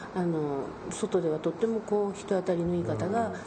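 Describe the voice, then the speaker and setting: Speaking at a moderate pace, a woman is heard over noticeable background noise. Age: 50s. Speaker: journalist and author. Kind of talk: interview.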